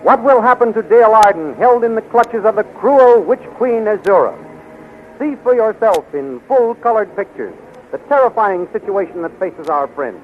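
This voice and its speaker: A tinny, narrow old radio recording with a light hiss carries a male announcer from the 1930s. His high voice delivers scripted narration and promotion with dramatic emphasis. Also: expressive, moderate pace.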